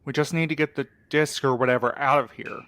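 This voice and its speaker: An actor plays a practical, stubborn courier in an audio drama. The voice sits at a medium pitch, and the delivery is blunt, impatient and insistent. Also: fairly even intonation, a little fast, a bit bright, lightly acted.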